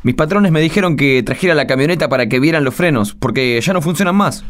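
Man playing a quick-talking Argentine delivery driver. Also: on the high side, expressive, close to an everyday voice. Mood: polite. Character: polite, obliging delivery van driver. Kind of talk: colloquial radio drama dialogue.

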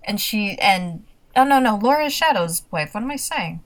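A woman's voice: medium pitch, animated, moderate pace, a crowd in the background. A young adult woman co-hosting a casual TV recap podcast, talking with lots of laughs and acted-out quotes. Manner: chatty, laughs often, acts out quotes. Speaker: podcast co-host.

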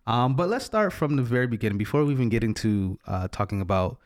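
A man's voice: mid-range voice, expressive, fast talker, no echo, clean studio sound. A man hosting an interview podcast, asking questions casually and encouraging his guest with frequent murmurs of agreement. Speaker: podcast host.

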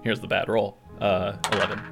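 A man's voice: lowish voice, flat delivery, normal speed, gravelly, over loud music. A man playing a tabletop game with dry, sardonic remarks. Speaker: player.

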